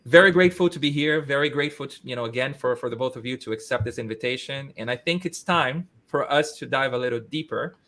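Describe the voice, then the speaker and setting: A man, hosting a casual interview in English, talking in an animated way with frequent restarts. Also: mid-range voice, fast talker, hardly any pauses. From Brazil. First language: Portuguese. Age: 30s. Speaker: host.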